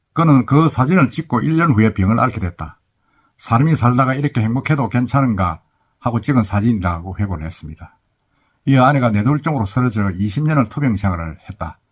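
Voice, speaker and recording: A somewhat breathy man at medium pitch, talking at a fairly quick pace. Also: lively intonation, very clean recording, silent background. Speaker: YouTube channel host. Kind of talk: spoken summary of a TV documentary. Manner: casual, with hesitations.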